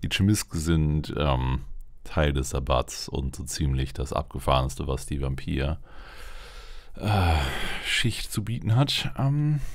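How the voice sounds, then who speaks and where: A man's voice: very deep voice, darkish tone, dry recording. A man giving casual roleplay commentary on a video game, musing and thinking aloud. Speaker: let's player. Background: game music.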